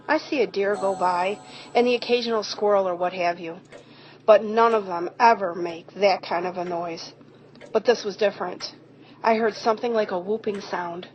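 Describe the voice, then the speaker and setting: A woman's voice: mid-range voice, lightly acted. A woman playing a friendly rural eyewitness in an amateur audio drama, telling things in a folksy, descriptive way. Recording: muffled, noisy home recording.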